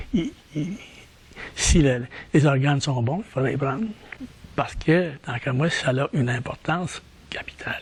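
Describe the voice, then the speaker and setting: Over noticeable background noise, a man with a Quebec accent talks at a fairly slow pace and fairly high pitch, with ordinary pitch variation and long, frequent pauses. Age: 80s+. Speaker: heart transplant patient. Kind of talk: interview testimony. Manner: halting, with repetitions and fillers.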